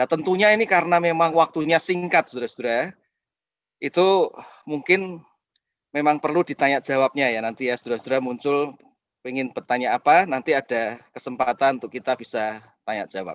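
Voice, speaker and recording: Against a quiet background, a man with a Javanese accent speaks at a fairly quick pace with lively intonation and a fairly high pitch. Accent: Javanese accent, unchanged. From Central Java, Indonesia (Magelang). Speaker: pastor. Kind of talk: lecture.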